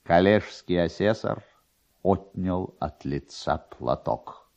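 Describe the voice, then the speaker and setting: A man's voice: sits low, slow pace, gravelly, darkish tone. A man giving scripted literary narration as the narrator of a story. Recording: dull, lo-fi archive radio recording.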